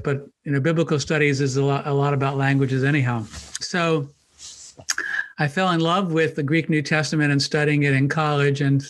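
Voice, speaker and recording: A man's voice: fairly high pitch, a bit bright. Thoughtful man in his sixties. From Maryland, United States. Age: 60s. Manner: thoughtful, measured, with frequent restarts and ums. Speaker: guest, New Testament professor. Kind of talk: conversational podcast interview.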